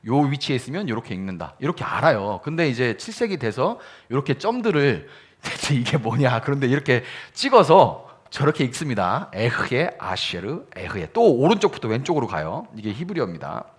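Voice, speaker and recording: Male pastor, sermon, very animated intonation, chatty teaching manner, quizzes the congregation. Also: medium pitch, fairly quick, slightly rough. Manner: conversational teaching, asks the congregation questions, sounds out syllables. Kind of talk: explanatory sermon. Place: small church service.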